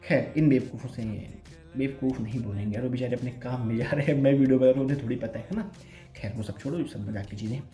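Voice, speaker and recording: A young man talks casually and in a self-mocking way about his exam preparation, calling his viewers brother. His voice sits at a middle pitch and rings in a roomy space. Faint music plays behind him. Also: quick pace, warm tone. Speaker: bank exam aspirant vlogger. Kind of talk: casual advice vlog.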